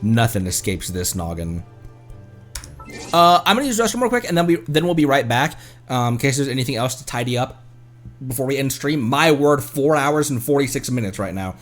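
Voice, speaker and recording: A man hosting a live game stream with casual, expressive, self-teasing commentary. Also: medium pitch, brisk, soft background music.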